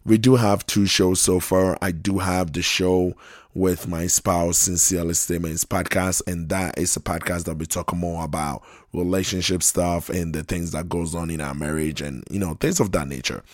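A man hosting his own podcast in casual, unhurried talk, hoarse because he is losing his voice, often repeating and restarting phrases. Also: deep voice, steady tone, no room sound, clean studio sound. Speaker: podcast host.

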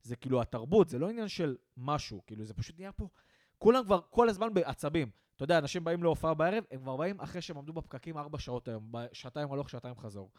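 A man's voice: a little high, no room sound, studio quality. A young man co-hosting a podcast, ranting in casual chat and acting out what people say. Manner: animated ranting, acts out quotes. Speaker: podcast co-host.

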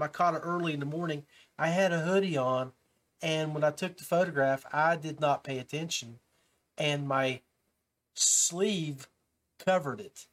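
Man, podcast host, rambling casual tips, slightly high voice, restarts and fillers. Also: fairly bright tone. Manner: coaching tone, giving tips to beginners. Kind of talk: casual talk to viewers.

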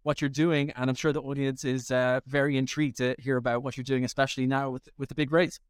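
A man's voice: mid-range voice, level tone, quick pace, clear, resonant tone, no echo, clean studio sound. A man hosting a podcast, interviewing a founder and reacting with upbeat, effusive affirmations. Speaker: podcast host.

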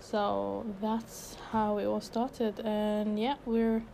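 A woman's voice: medium pitch, level tone, very slow, vocal fry, background noise. A woman in her twenties from Sweden, hosting a casual unedited solo podcast as a life coach, chatty and upbeat with many fillers and restarts, a bit out of breath. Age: 20s.

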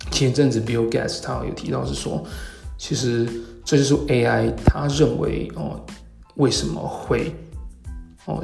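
A man speaks Mandarin with a Taiwanese accent in a mid-range voice full of heavy vocal fry. He explains his subject like a solo podcast host, in halting phrases broken by hesitant pauses. Soft music sits faintly behind him. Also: medium pitch. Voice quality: gravelly, creaky. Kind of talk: solo talk explaining tech and market topics.

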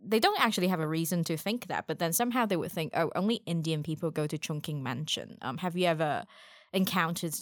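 A woman's voice: low voice, fast talker, no room sound, clean studio sound. A woman hosting a podcast interview, chatty with frequent "like" and "um" fillers. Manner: chatty, uses many fillers like "like" and "um". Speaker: podcast host. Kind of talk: conversational interview.

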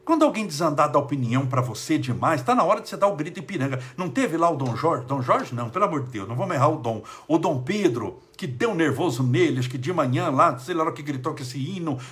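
Brazilian guy giving a spiritual pep talk, swoopy lively voice, jokey, talks right at you. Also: on the high side, quick pace, hardly any pauses. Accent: Brazilian Portuguese. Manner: animated, joking, addresses listener directly. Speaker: spiritist lecturer.

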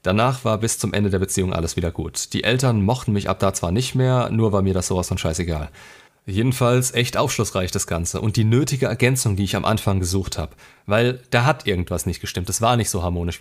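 Man, fairly low voice, host, reading aloud, blunt sarcastic commentary.

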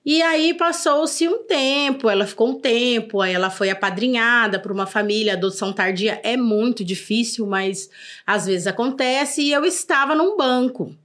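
A woman's voice: fairly high pitch, normal speed. A middle-aged Brazilian woman, a social services official, telling earnest stories from her work in a casual podcast chat. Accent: Brazilian Portuguese. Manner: earnest, animated storyteller.

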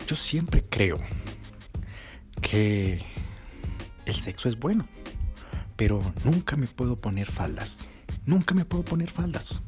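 A man's voice: medium pitch, very animated, takes it slowly, pauses often, darkish tone, pitched above the performer's own voice. A man voicing a young woman who complains about being judged, in a whiny tone. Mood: complaining. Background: music.

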